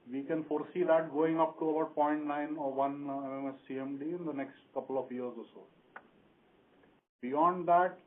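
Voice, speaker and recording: A man with an Indian accent answering analysts as a company executive on a conference call, explaining in a measured, hesitant way. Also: mid-range voice. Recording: narrow phone line with faint noise.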